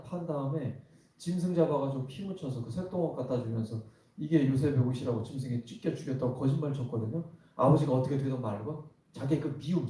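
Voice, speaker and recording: A man's voice: medium pitch, dark tone. A man pastor preaching a sermon in a church worship hall, talking conversationally and asking the congregation rhetorical questions. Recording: very echoey hall, voice from some distance.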